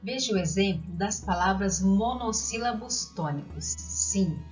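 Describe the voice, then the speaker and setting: Slow, patient woman teacher. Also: mid-range voice, expressive. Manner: slow, deliberate, spells out examples and asks questions. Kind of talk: grammar lesson for children. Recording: dull lo-fi audio with faint music.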